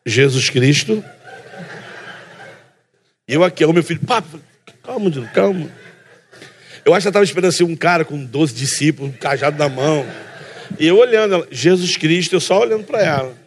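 A fairly high-pitched man with a Carioca Brazilian Portuguese accent preaches a sermon built around a funny personal story. He tells it with lively energy, acting out both sides of the conversation and calling the listeners "brother" again and again.

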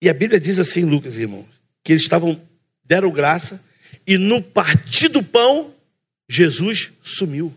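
High, husky-voiced Brazilian preacher from Rio. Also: male voice, normal speed. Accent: Carioca Brazilian Portuguese. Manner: animated storytelling, acting out both sides of a conversation; calls the listeners "brother" again and again. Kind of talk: sermon with a funny personal story.

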